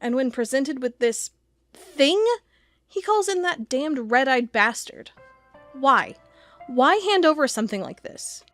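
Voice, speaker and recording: A woman playing an agitated, suspicious, sharp-tongued investigator thinking aloud in an audio drama monologue. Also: high-pitched, animated, unhurried, no echo, faint music behind. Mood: agitated, angry. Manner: thinking aloud, emphatic, muttering to herself.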